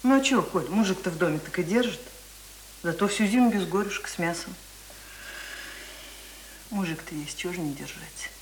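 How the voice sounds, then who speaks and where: A woman's voice: lowish voice, expressive, normal speed, long pauses, natural voice, low-quality recording. An actress plays a middle-aged country woman in a radio drama, wary and plain-spoken. Her folksy, exclamatory speech swings widely in melody, with faint hiss behind it. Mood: matter-of-fact. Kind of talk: naturalistic Russian radio play acting. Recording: hissy old radio recording.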